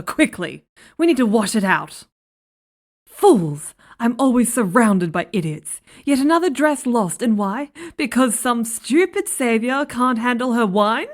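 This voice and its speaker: A woman playing a haughty, spiteful queen in a fantasy audio drama, with an imperious, dramatic delivery. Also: on the high side. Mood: outraged, petulant.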